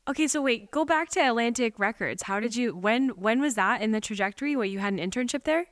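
A woman's voice: on the high side, animated, fairly bright tone. A woman hosting a podcast who asks her guest questions and chats eagerly with him. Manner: chatty, eager interviewer, quick to agree. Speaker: podcast host. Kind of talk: casual podcast interview.

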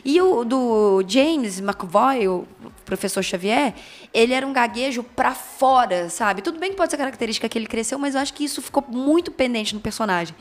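A woman in a casual film review chat, talking in an animated way, correcting herself and laughing often. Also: a little high, a little fast.

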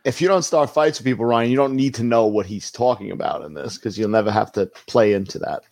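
A man's voice: fairly low pitch, quick pace, darkish tone, dry recording. A man co-hosting a podcast, making wry, dry asides in casual talk. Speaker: podcast co-host.

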